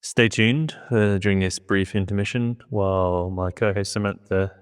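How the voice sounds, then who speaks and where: A man from England, co-hosting a podcast in relaxed chat, often repeating words as he gathers his thoughts. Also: fairly low pitch, moderate pace, clean tone, long reverb tail. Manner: easygoing, repeats words as he thinks. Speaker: podcast co-host. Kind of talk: casual chat.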